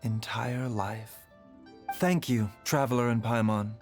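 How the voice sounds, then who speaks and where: A gentle, frail physician from a fantasy game. His mid-range voice stays measured and courteous, keeping composure, with music underneath. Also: medium pitch, steady tone. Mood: subdued. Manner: polite, measured, evasive. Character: gentle, composed, frail young male doctor with secrets. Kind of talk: scripted game dialogue acting.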